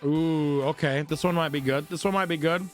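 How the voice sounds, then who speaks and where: A man's voice: a little high, fairly even intonation, normal speed, soft background music. A man streaming, reading forum posts aloud and breaking off to react, swear and laugh.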